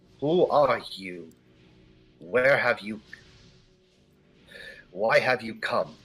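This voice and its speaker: In a robotic, put-on character voice of medium pitch, a man speaks at a very slow pace with long, frequent pauses. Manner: loud, demanding.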